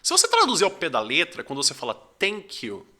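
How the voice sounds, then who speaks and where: A young man from Brazil explains his teaching in a loose, chatty lesson. His voice sits high and very bright, and his pitch moves a lot, rising and dipping as he makes his points. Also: huge pitch swings, very fast. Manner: conversational, lots of fillers like "tipo assim". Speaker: English teacher. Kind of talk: casual talking-head lesson.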